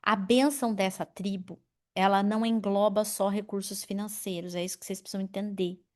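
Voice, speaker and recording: A woman in her forties preaching a sermon in an animated, personal way, calling on members of the congregation by name. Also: medium pitch, a little fast. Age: 40s. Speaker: pastor.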